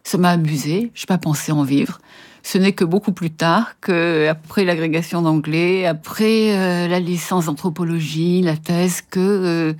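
Low-voiced woman, articulate storyteller. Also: unhurried. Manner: articulate, lively storytelling with hesitations. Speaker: literary translator guest. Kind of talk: reflective interview answers.

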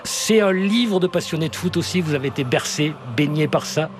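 A man hosting a literary radio interview, asking engaged, quick follow-up questions. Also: a little high, slight background noise.

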